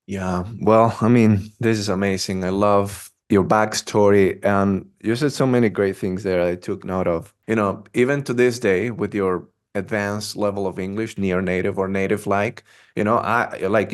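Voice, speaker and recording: Low-voiced, encouraging male podcast host. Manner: encouraging, affirming, enthusiastic. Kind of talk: podcast interview.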